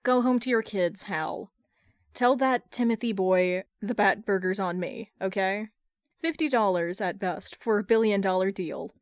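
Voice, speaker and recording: A woman's voice: mid-range voice, a little slow, no room sound, studio quality, lightly acted. A woman playing a smug, teasing businesswoman. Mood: nonchalant teasing. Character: confident teasing businesswoman, smug and sweetly nonchalant. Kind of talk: amateur fan fiction audiobook reading.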